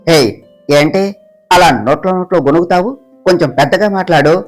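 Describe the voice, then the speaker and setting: A man's voice: sits high, steady tone, fairly quick, faint music behind, voice pushed down, lightly acted. A woman voicing a stern, short-tempered young male boss who talks in curt, scolding lines. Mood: irritated.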